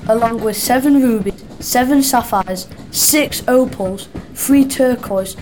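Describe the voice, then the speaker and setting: A woman's voice: a little high, takes it slowly, a little mellow, a little hiss or hum, rough recording. A young woman playing a cocky, stubborn male jewel thief in an amateur audio drama. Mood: smug, unworried.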